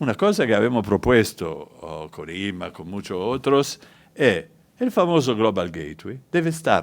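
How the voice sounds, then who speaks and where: A man with an Italian accent, fairly slow, with very wide pitch swings and vocal fry, on a very clean recording with a silent background. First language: Italian (speaking Spanish). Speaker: economist, development expert. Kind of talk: lecture.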